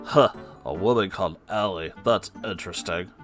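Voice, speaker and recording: A man's voice: low voice, normal speed, faint music behind, close to an everyday voice. Man voicing a smug, boastful teenage guy. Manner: smug, blunt. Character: big, boastful, awkward teenage male college student. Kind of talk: character voice in story narration.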